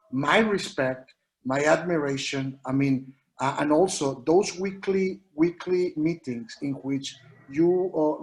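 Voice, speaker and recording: A man from Mexico, speaking English as an on an online panel, earnest and halting with many restarts. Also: a little high, low-quality recording. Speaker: educator panelist.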